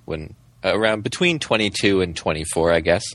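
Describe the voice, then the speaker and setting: A man in his forties chimes in with short, agreeable remarks in a casual chat. His voice is fairly low. The recording is dry and close. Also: animated, a little fast, fairly bright tone, no echo. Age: 40s.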